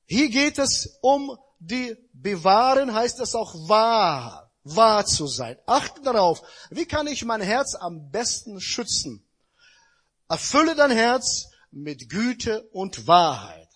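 A male preacher delivers a sermon with a husky, fairly high voice. His pitch swings widely as he addresses the congregation directly and stresses his points. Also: very animated, takes it slowly, a bit bright.

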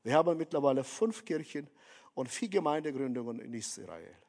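A man's voice: mid-range voice, lively intonation, brisk, a little mellow. A man preaching a sermon, emphatic, repeatedly calling his listeners dear friends. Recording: long hall reverb.

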